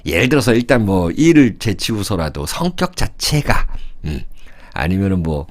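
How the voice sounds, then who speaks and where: A man's voice: low-pitched, very animated, normal speed. A man in his fifties lecturing in a casual, conversational way about fortune-telling charts, thinking aloud and asking rhetorical questions as he sketches.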